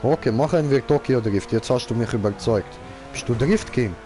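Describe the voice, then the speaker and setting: A man's voice: medium pitch, normal speed, mellow, a little hiss or hum, natural voice. A young man playing a boastful, car-loving character who speaks in broken grammar and keeps repeating the same filler word, commenting on a game. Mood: goofy.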